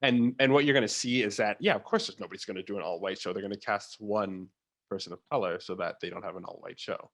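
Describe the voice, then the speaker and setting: A man's voice: lowish voice, fast talker, a bit bright. A man speaking as a theatre producer in a conversational interview, opinionated and emphatic, repeating phrases to stress his point.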